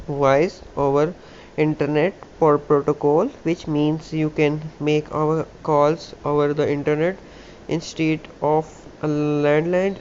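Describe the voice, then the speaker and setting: South asian guy doing a tech tutorial, hindi or urdu native, kinda high voice, stumbles a bit, muffled lo-fi mic. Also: darkish tone. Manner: halting, stumbling reading of English with repeated words. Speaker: YouTube tech channel host. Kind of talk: tutorial, reading an article aloud with casual asides. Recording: muffled lo-fi mic with background noise.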